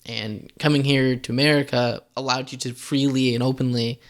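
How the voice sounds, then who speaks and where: Man, podcast host, mid-pitched voice, friendly and affirming, casual chat. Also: level tone, moderate pace. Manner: friendly, affirming, casual filler-heavy questions.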